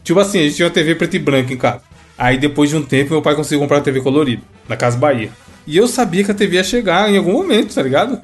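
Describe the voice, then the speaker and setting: Man, joking podcast co-host, quick talk, faint music. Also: fairly high pitch, animated. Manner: joking, interjects, quotes imagined people. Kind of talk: casual comedic chat.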